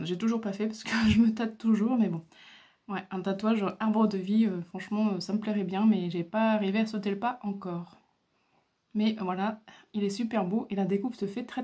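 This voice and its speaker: With a mellow, mid-range voice, a crafting video host talks casually about her craft supplies in a relaxed show-and-tell. It's recorded at home on a camera mic, and her speech is hesitant and packed with fillers.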